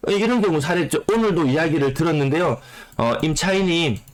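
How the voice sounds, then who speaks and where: A man's voice: on the high side, lively intonation, brisk, rough recording. Man with a cold, walking through market data. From South Korea. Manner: explanatory, repeats key phrases for emphasis. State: voice rough from a cold. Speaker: real estate YouTuber. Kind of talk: data commentary on the housing market.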